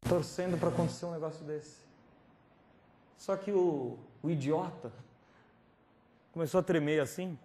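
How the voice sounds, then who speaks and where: A male preacher telling a personal testimony at a youth camp, acting out scenes with sudden drops to whispers and loud pleading cries. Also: on the high side, unhurried, pauses often. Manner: dramatic storytelling, swinging from whispers to loud pleading. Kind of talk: testimony sermon. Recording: roomy hall recording with faint noise.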